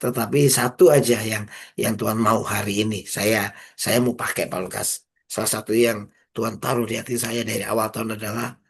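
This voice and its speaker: A man preaching an informal sermon over a video call, exhorting listeners by name and slowing into emphatic recited lines. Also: lowish voice, flat delivery, breathy edge. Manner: exhorting, repeats phrases and drops into slow emphatic recitation; addresses listeners by name, casual colloquial asides. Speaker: preacher leading an online prayer meeting.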